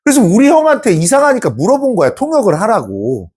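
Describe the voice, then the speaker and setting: A man in his forties teaching social studies, telling a personal anecdote in a chatty, animated way. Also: high-pitched, quick pace, husky.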